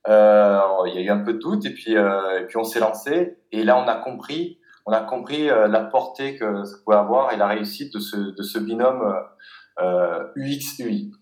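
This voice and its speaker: Man with a Provençal accent, low voice, halting guest speech in an echoey room. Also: a little mellow. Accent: Provençal French. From Aix-Marseille area, France. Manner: halting, many fillers and restarts. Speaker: guest, interface designer. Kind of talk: casual interview talk.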